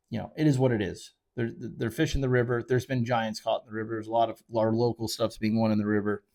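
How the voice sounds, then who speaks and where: His voice is mid-range and a little mellow as he hosts casual solo commentary at a desk mic. The man is a fishing charter guide who runs a show. He rambles conversationally, with frequent fillers and self-corrections.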